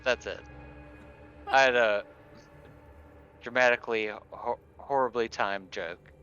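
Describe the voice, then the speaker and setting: A man with a bright, forceful and clear voice chats and jokes as a player at a tabletop game. The recording is slightly dull, with faint music behind him. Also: mid-range voice, slow. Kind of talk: casual, joking table talk.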